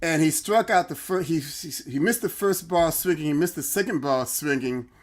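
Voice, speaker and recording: Halting man co-hosting a livestream. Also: on the high side. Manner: halting, repeats words and restarts often; tells anecdotes, thinks aloud. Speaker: co-host of a livestream talk show. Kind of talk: casual livestream conversation.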